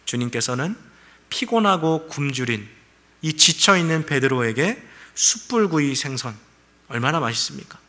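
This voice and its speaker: Bright-voiced man preaching conversationally. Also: fairly high pitch, animated, moderate pace. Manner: conversational preaching with rhetorical questions. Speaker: pastor. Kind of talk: sermon.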